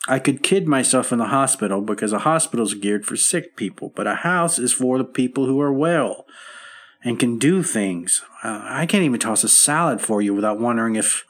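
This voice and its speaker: An actor playing a middle-aged husband with a bad heart, sighing and strained, in an old time radio drama. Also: male voice, mid-range voice, normal speed, close to an everyday voice. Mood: bitter.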